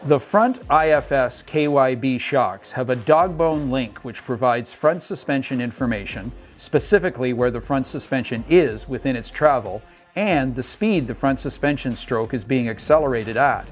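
Older male host, enthusiastic scripted narrator, average pitch, light music bed. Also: moderate pace. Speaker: show host. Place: indoor studio set.

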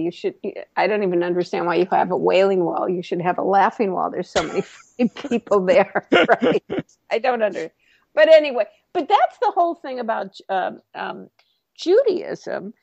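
A woman comedy coach and author, joking her way through an interview and slipping into quick comic voices. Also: medium pitch, vocal fry, darkish tone, no echo, highs cut off. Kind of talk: animated interview guest.

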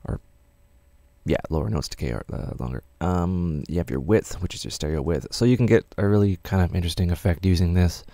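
A man's voice: low voice, a little fast, mellow, no room sound. A man giving a casual, offhand tutorial as a music production tutor, in a loosely explanatory, self-deprecating way. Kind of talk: casual software tutorial narration.

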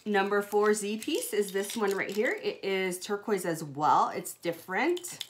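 A woman's voice: mid-range voice, animated, unhurried, a little hiss or hum. A woman in her thirties from Hawaii, chatting through a live jewelry sales show with many ums, recorded on a phone in a small indoor room. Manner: chatty, many ums, upbeat product talk. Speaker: jewelry seller.

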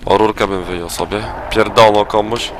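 A man's voice: fairly low pitch, steady tone, normal speed, noisy background. A drunk man rambling and swearing as he comments on a zombie game he is playing. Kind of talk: profane let's play commentary.

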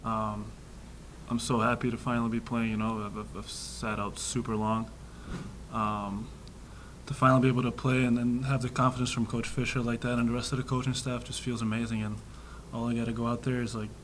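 A young male player talks into a table mic in a relaxed, casual way, sprinkling in "like" and "I mean". His pitch stays flat and steady. Faint hum behind him. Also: fairly quick. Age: 20s. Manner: casual, lots of "like", upbeat. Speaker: college basketball player. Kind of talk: post-game press conference. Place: press room before a sponsor backdrop. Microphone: table mic in front of him.

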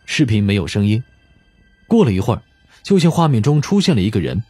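A man's voice: on the low side, big pitch swings, a little fast, mellow, husky, no room sound, faint music behind. A man narrating a scripted audiobook story as its narrator.

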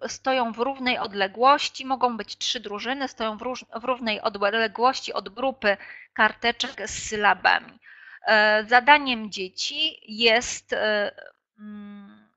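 Woman running an online teacher workshop, bright kinda sharp voice, lots of ums, muffled call audio. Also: on the high side. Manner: hesitant, many filler sounds. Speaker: teacher trainer. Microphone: video call.

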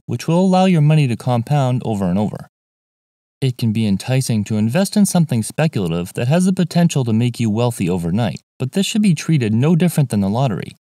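A man reading a scripted explainer voice-over in an even, measured way. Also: fairly low pitch, no echo, clean studio sound. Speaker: narrator of an investing explainer.

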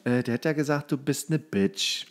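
A man talks as a podcast co-host. His delivery is casual and colloquial, the chat of someone at ease who likes to tease. He sits at an ordinary middle pitch. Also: steady tone, normal speed. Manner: loose and colloquial, teasing. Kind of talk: casual joking chat about TV series.

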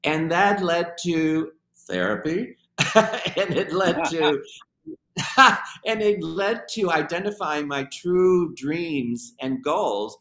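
A man's voice: fairly high pitch, lively intonation, slow, a bit bright, echoey room. A man in his sixties from Argentina, answering interview questions thoughtfully with many hesitations over a webcam call. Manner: reflective, hesitant with many fillers. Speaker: guest, film teacher. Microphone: webcam on video call.

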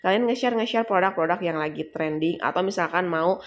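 Chatty young woman, low-pitched voice. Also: brisk. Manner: chatty, addresses viewers as guys. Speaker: affiliate marketing vlogger. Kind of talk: casual screen-recording walkthrough.

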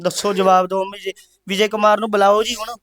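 A man's voice: high voice, level tone, fast talker, a loud crowd. A man giving an impassioned, aggrieved account in a news interview, full of rhetorical questions. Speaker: interviewee, father of the family. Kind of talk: impassioned testimony.

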